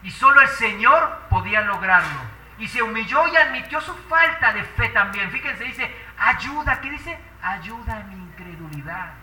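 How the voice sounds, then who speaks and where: A man's voice: extremely high pitch, expressive, moderate pace, hardly any pauses, bright, forceful tone, echoey room, far from the mic, a little hiss or hum, rough recording. A man preaching a sermon with passion, asking the congregation rhetorical questions.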